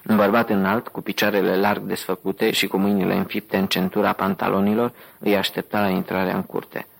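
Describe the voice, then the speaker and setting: A male audiobook narrator reads in a steady, even way. His voice is deep and husky, with a gravelly texture. The pitch stays flat and level throughout. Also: poor audio.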